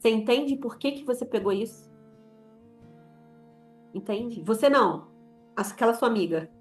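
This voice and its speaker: A woman's voice: fairly high pitch, lively intonation, normal speed, soft background music. A young adult woman with a Brazilian Portuguese accent giving an informal sermon to women, talking in a conversational way and acting out quoted voices. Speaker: women's ministry leader.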